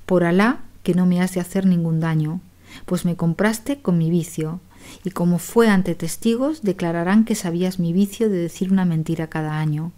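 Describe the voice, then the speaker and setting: A woman's voice: on the low side, moderate pace, mellow, close to an everyday voice. A woman voicing a defiant male slave who stands up to his master in an audiobook tale. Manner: bold, defiant. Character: cunning male slave who lies once a year.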